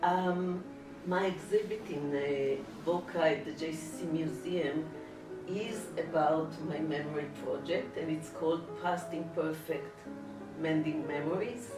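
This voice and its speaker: Casting: low-voiced, unhurried woman artist from Israel, halting answers, roomy studio sound from afar with music under. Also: fairly even intonation, distant mic. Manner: hesitant, many ums and pauses. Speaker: artist guest. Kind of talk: interview answers. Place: art studio.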